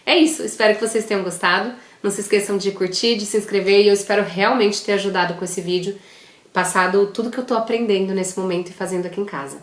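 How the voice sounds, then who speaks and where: A woman with a Brazilian Portuguese accent talks through parenting advice at home in a casual vlog. Her voice sits in a comfortable middle pitch, and she explains step by step, often checking in with a quick "né?". The room around her adds a noticeable roomy echo. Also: steady tone. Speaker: mother sharing parenting tips.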